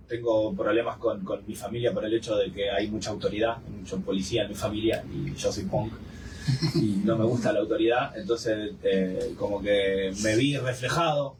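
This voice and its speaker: A man with an Argentine accent talks haltingly as a guest on a live panel, pausing often on filler sounds. His voice sits a little low. He is picked up from a distance in a forum hall, with clear background noise around him. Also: fairly even intonation. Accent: Argentine Spanish. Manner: hesitant, frequent filler sounds.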